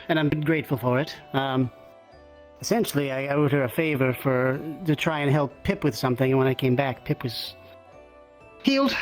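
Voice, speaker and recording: Male roleplayer, mid-range voice, courteous and tentative, talking in character over soft music. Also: medium pitch, poor audio. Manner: hesitant, polite, thoughtful phrasing. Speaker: roleplay player. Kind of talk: improvised in-character fantasy roleplay chat. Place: online virtual reality session.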